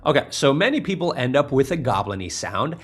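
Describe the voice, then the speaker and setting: A man's voice: mid-range voice, big pitch swings, brisk, fairly bright tone, slightly rough, soft background music. A man giving an instructional tutorial as a vocal coach, explaining emphatically step by step.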